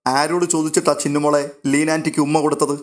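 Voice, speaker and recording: A man's voice: a little high, flat delivery, quick pace, close to an everyday voice. A man voicing a playful, bossy young woman who scolds in a mock-stern way, in a read-aloud novel.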